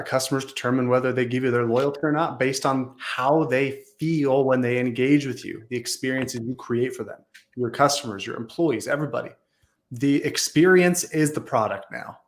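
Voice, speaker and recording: A man speaking as a guest on a casual podcast, earnest and enthusiastic, with casual slang. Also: mid-range voice. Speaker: podcast guest, business leader.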